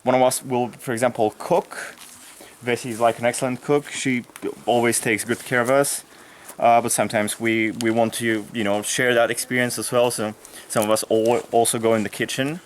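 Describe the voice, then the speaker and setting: A young man from Bulgaria speaking English with a Bulgarian accent, casually showing a visitor around outdoors, relaxed with many fillers and restarts. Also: medium pitch, normal speed, a little hiss or hum. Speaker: volunteer giving a tour. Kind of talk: casual explanatory tour. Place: outdoors in a rural garden and field.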